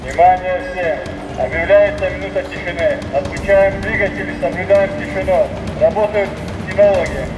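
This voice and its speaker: A rescue official, a man, giving a loud commanding announcement through a megaphone outdoors, heard from a distance. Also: sits high, moderate pace, long pauses, echoey room, music in the background. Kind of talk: public announcement.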